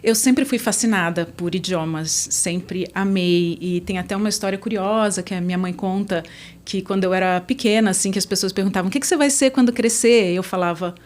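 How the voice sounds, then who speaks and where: Speaking fairly quickly in a mid-range voice, this woman from Brazil works as a conference interpreter. As a podcast guest, she chats casually and tells stories in a warm, friendly, easygoing manner.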